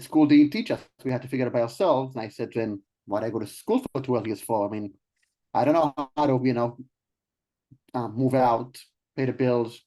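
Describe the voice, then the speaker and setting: Interview guest: young man from Israel, mid-pitched, hesitant and halting, full of pauses. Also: a little mellow. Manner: hesitant, many ums and restarts. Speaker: guest, life coach. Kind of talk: casual interview talk.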